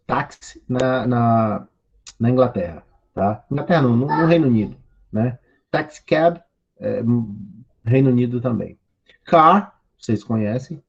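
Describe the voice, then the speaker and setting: A man's voice: medium pitch, slightly rough, dull audio. A man with a Brazilian Portuguese accent teaching a recorded online English class, stretching out each word as he drills vocabulary and numbers. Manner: slow, drawn-out drilling of English words.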